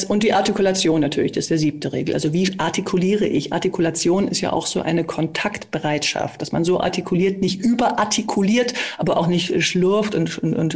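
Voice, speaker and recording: A speaking and voice coach calmly explaining and demonstrating exercises in a conversation, with small hesitations. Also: mid-range voice.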